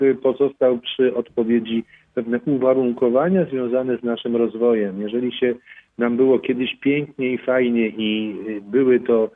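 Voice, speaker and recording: A man, a doctor guest on a radio show, talking in a stammering, joking way in casual chat. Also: medium pitch. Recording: phone-line call-in audio.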